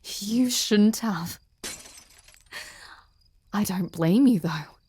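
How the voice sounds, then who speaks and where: A woman playing an obsessed, cruel ice queen general in a dramatic audio roleplay, halting and intense, often breathy. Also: medium pitch, dark tone, exaggerated voice. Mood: cold, menacing.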